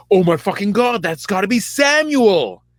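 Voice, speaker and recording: A man puts on a whiny, high-pitched character voice at a moderate pace. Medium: solo performance. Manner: casual, whiny bro-speak.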